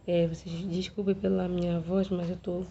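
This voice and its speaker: A woman teacher with a Brazilian Portuguese accent, hoarse from a cold, giving an online math lesson in a quiet, hesitant way with many fillers. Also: on the low side, little pitch movement, normal speed, slight background noise. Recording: dull lo-fi home video recording.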